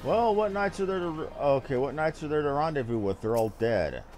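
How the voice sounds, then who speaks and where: A man's voice: fairly high pitch, big pitch swings, brisk, a little mellow, soft background music. A man playing through a video game, commenting and reading the on-screen text aloud as he goes. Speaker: game streamer.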